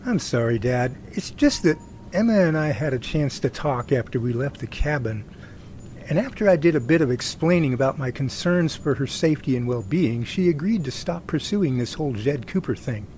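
An actor playing a wordy, sarcastic but earnest young adult son in a radio drama. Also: male voice, mid-range voice, expressive, normal speed, darkish tone, a little hiss or hum, close to an everyday voice, low-quality recording. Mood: earnest, flustered.

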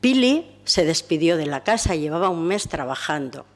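A woman narrating a documentary in a calm, recounting tone. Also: deep voice, moderate pace.

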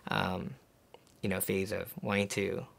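A young man born in Korea, talking casually in an interview in a music studio, relaxed and full of fillers and little laughs. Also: low-pitched, unhurried, creaky. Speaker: singer-songwriter. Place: music studio with mixing console.

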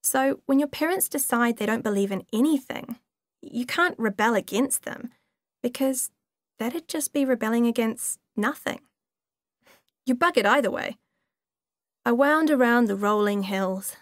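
A woman's voice: on the high side, measured pace, dry recording, clean studio sound. A young woman narrating an audiobook in a conversational, wry first-person voice. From half British, half New Zealand. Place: recording studio.

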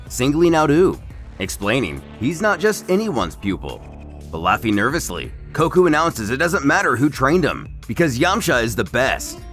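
A man's voice: mid-range voice, a bit bright. A man narrating a scripted story recap as a host, in a storyteller's delivery.

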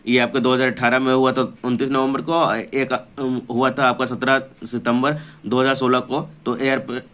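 A man's voice: medium pitch, level tone, normal speed, fairly bright tone. Man explaining in an informal walkthrough. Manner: repetitive, explanatory, reading out lists. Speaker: presenter for a book publisher. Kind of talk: informal product walkthrough of an exam prep book.

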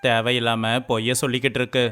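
A man's voice: medium pitch, level tone, fast talker, a bit bright, lightly acted. A man playing a stern, indignant village man in a moral story, speaking in a declamatory way. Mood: stern, reproachful. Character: stern, indignant village headman and quarrelling village men. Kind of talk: acted moral-story dialogue.

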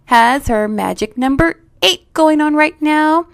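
A woman's voice: high-pitched, measured pace, vocal fry, dry recording. A woman hosting her own voice demo video, giving a bubbly, friendly intro. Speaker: voice impressionist, video host.

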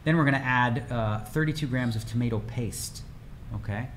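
This man in his forties streams poker from a room at home, talking at normal speed in a mid-range, somewhat bright voice. His livestream chat is energetic and rambling, and faint background noise is present.

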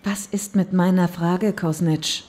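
A woman's voice: lowish voice, fairly even intonation, a little slow, darkish tone, lightly acted. An actress playing a determined female police inspector in an audio drama, curt, demanding and no-nonsense. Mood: stern, impatient.

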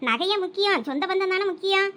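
A woman playing a quarrelsome village woman with a Thoothukudi Tamil accent, scolding rapidly. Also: extremely high pitch, expressive, fairly bright tone. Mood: complaining. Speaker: actor in village family drama. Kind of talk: village comedy sketch acting.

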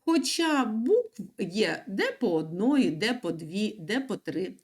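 A woman teaching young children an online reading and writing lesson, explaining patiently step by step. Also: medium pitch. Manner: slow, patient, lively sing-song explaining. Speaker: primary school teacher.

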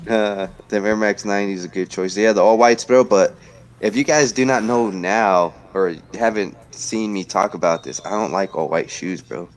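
Young man, very low voice, casual slangy livestream banter, home webcam setup. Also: moderate pace. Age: 20s. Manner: laid-back slangy banter, reads chat aloud. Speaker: livestream host. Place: indoor home room, webcam stream.

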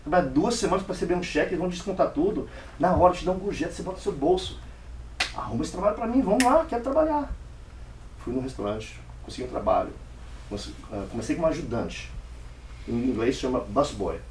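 At a club meeting, a man delivers a storytelling speech, animatedly acting out the dialogue in different voices. His voice is on the high side and his pace is fast. He's recorded from a distance in an echoey meeting room, with slight background noise.

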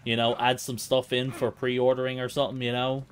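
A man's voice: medium pitch, completely flat delivery, fairly quick. A man giving casual live commentary as he plays through a video game. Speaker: video game streamer, speedrunner. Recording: faint noise, game audio behind. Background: video game ambience.

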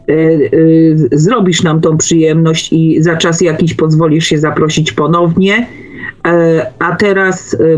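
A woman hosts a live radio talk. She speaks in a courteous, formal manner. She pauses hesitantly between phrases. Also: on the low side, poor audio. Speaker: radio show co-host. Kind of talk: live talk show sign-off.

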